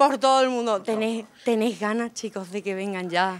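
A woman speaks very slowly with fairly even intonation and a fairly high pitch. Light background noise runs underneath. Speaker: TV reporter. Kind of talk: news reporting. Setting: outdoors on location. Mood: playfully scared. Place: street. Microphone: handheld.

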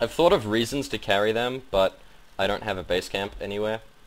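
A man with an Australian accent, fairly low in pitch, at a moderate pace with lively intonation. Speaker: gaming YouTuber. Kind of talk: casual gameplay commentary. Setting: home computer recording.

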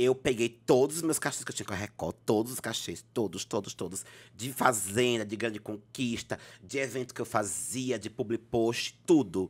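The delivery sounds animated at a moderate speed. Pitch varies in an ordinary way. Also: man. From Brazil, Sergipe (Aracaju); Sergipe, Brazil. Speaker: TV personality and reality show contestant; podcast guest. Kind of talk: casual interview chat. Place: studio. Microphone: studio mic.

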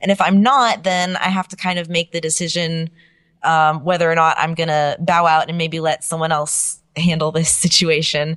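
At a moderate pace, an unremarkable speaking voice talks with fairly even intonation. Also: woman, fairly low pitch for a woman. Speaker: podcast co-host. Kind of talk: casual podcast discussion.

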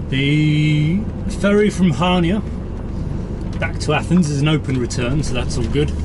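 With music behind him, a man talks fairly slowly. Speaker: truck driver vlogger. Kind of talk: casual vlog chat. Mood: relaxed. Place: car. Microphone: camera far.

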